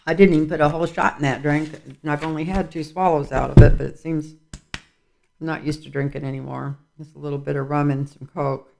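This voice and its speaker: A man's voice: on the high side, fairly even intonation, brisk, gravelly, a little mellow. A man reading tarot cards in a casual vlog, rambling and musing aloud as he goes. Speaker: tarot reader.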